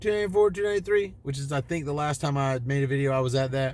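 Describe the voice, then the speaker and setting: In an American accent, a man talks with lively intonation, a medium pitch and a somewhat breathy sound. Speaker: vlogger. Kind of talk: casual vlog. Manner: halting.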